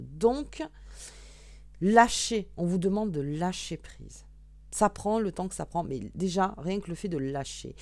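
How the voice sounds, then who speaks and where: Low-voiced woman reading cards. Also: gravelly, warm tone, no echo. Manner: chatty, thinking aloud, many fillers and restarts; shuffling and drawing cards while talking. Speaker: tarot reader. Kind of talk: casual card reading.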